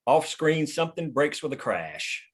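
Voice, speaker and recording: A man's voice: on the high side, very animated, measured pace, breathy edge. A man reading stage directions as scripted narration at a table read, in a plain, matter-of-fact manner.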